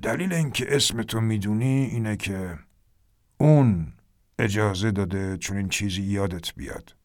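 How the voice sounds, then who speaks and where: A man voicing a grave, white-browed older man who speaks in a low, slow, measured hush. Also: dry recording, close to an everyday voice.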